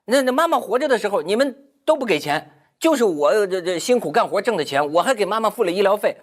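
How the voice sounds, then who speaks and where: A woman's voice: mid-range voice, expressive, fast talker, pitched above the performer's own voice, natural voice. A man voicing a chatty, cheerful middle-aged masseuse woman who talks bluntly.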